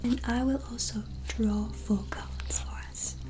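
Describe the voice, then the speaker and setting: A woman playing a gentle, reassuring white witch tarot reader in a breathy, soft-spoken ASMR whisper. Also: fairly high pitch, steady tone, lightly acted. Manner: slow, pausing, soothing, reflective. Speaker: ASMR roleplayer giving a tarot reading. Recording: soft music behind close voice. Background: soft relaxing music.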